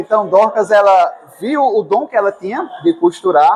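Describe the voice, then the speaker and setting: With a Pernambuco accent, a man talks at a high pitch with lively intonation. Noticeable background noise is present. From Brazil, Pernambuco interior (Garanhuns). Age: 30s. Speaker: lawyer and church preacher. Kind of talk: interview about a sermon.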